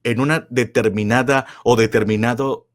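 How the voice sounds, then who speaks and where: A man's voice: steady tone, moderate pace. A man giving a motivational public speaking lecture, emphatic and full of rhetorical questions, repeating key phrases for effect. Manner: emphatic, with wide swings of pitch and loudness; asks the audience rhetorical questions.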